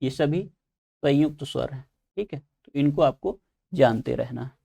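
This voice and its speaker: A man's voice: medium pitch, normal speed, gravelly, mellow, breathy edge. A man teaching an online exam-prep lesson, explaining step by step and answering his own questions.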